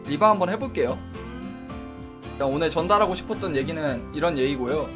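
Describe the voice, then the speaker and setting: With music playing behind him, a streamer with a fairly high, expressive voice works through his thoughts on novel reviewing at a brisk clip. He pauses often to correct himself and respond to chat, and says he has no dialect.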